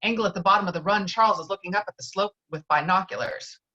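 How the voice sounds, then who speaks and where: A woman narrates the action lines of a screenplay at a virtual table read. Her pitch is medium. The recording is a little dull, like online call audio. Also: fast talker, sharp tone. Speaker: stage directions narrator. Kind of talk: scripted narration of screenplay directions.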